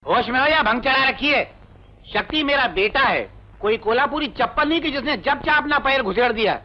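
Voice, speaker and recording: A scheming village accountant who talks in quick, sarcastic jabs. His voice sits very high for a man and sounds dull and muffled, with faint noise behind it, like an old film print. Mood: scornful. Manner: sarcastic, fast-talking, full of quips. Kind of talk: 1980s film comedy acting.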